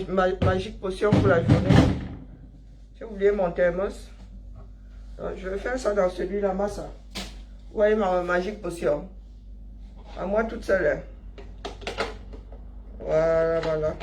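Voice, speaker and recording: A woman's voice: fairly low pitch, noisy background. A woman, chatting casually on a live stream, greeting viewers by name and joking.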